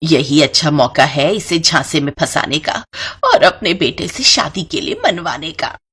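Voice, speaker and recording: A woman's voice: deep voice, very animated, unhurried, a bit bright, slightly rough, full character voice. A woman voicing a greedy, scheming middle-aged maidservant with sugary, coaxing talk in a cartoon story.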